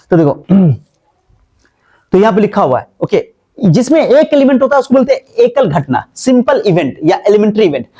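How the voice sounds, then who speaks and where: A man's voice: high-pitched, darkish tone. A man teaching a maths class, repeating himself and quizzing his students as he explains. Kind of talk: classroom lesson.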